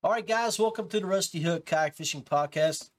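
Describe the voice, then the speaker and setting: A man's voice: high voice, fairly quick, heavy background noise. A man hosting a fishing podcast, talking to listeners in a casual, upbeat way. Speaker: podcast host.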